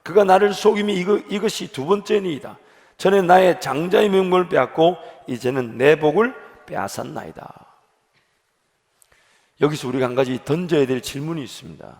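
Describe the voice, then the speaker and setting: A man pastor preaching an earnest sermon in a church sanctuary, slowing down to stress key words. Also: on the high side, expressive, a little mellow. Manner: earnest preaching, rising with emphasis. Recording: long hall reverb.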